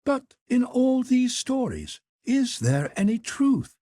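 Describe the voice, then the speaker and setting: A man puts on an earnest manservant for an audiobook, pitched well up and swinging in tone. He is polite, precise and inquisitive, recorded dry and close. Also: sing-song, slow pace, mellow, no echo, heavily acted. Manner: polite, inquisitive, matter-of-fact. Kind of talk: audiobook character dialogue.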